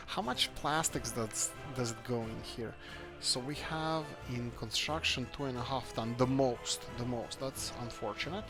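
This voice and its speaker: A man from Croatia, hosting a let's-play game video and thinking aloud as he builds, often searching for words. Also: mid-range voice. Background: background music.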